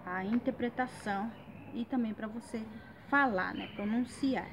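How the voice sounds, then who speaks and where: Teacher, young woman, Guarani accent; unhurried, hesitant delivery, slightly high voice. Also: noisy background. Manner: slow, repeats each phrase, frequent hesitations. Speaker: language teacher. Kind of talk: casual online language lesson.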